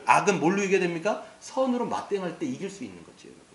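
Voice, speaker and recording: Man preaching a sermon, high voice, lively pitch, roomy echo. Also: very fast. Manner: emphatic preaching with rhetorical questions to the congregation. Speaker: pastor.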